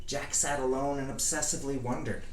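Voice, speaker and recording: A man giving a dramatic reading of a rhyming storybook, with measured, theatrical phrasing and pauses. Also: mid-range voice, steady tone. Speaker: storybook reader. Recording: echoey room, faint background noise.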